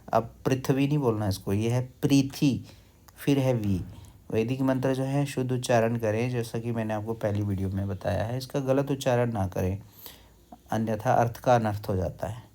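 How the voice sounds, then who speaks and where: A man teaching wedding mantras, reciting slowly and breaking words into syllables for the listener to repeat. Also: medium pitch, warm tone. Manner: slow, careful recitation with syllable-by-syllable drilling. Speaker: Sanskrit teacher.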